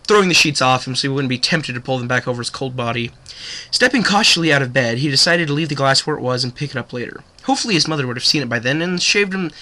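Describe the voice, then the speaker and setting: A man who has a cold reads a fan story aloud casually, now and then stumbling over words. He's a fanfiction reader, and his mid-range voice comes across bright and forceful.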